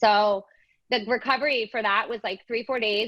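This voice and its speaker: The delivery is animated. Its tone is bright and sharp. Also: woman. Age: 30s. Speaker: real estate agent. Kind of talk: webinar testimony.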